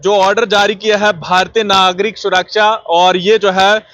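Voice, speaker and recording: A man's voice: sits high, flat delivery, normal speed, a bit bright. A male reporter giving an unscripted local news update, explaining at length with frequent hesitations and repeated phrases. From Jammu and Kashmir.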